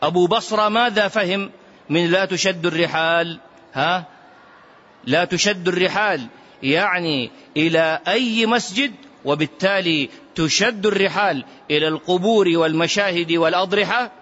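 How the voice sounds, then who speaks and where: A man's voice: sits high, normal speed, bright, forceful tone. A man giving a religious lesson in a mosque, emphatic, asking rhetorical questions and chanting some phrases. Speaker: religious teacher. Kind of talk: mosque lesson explaining hadith. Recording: muffled lo-fi recording.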